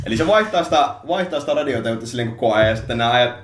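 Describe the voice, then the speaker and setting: A man's voice: medium pitch, a little hiss or hum. Explaining male podcast host, echoey room. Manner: explaining, even-handed. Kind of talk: casual chat. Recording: roomy echo.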